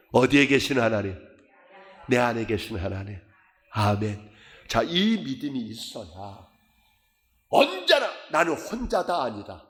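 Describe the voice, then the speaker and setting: Middle-aged male pastor, lively swooping pitch, call-and-response sermon delivery. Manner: animated preaching, quizzing the congregation with call-and-response questions; acts out skeptics in a high mocking voice.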